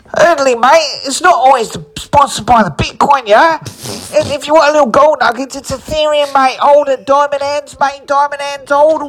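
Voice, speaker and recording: A put-on character voice, nasal and high-pitched, moves along at a moderate pace. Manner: mocking.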